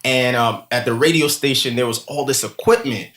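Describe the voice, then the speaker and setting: A man's voice: mid-range voice, moderate pace. A man in his thirties with a Haitian accent, a guest telling stories in casual interview chat, laughing often and using lots of "like" fillers. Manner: animated storyteller, laughs often, many "like" fillers. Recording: echoey room.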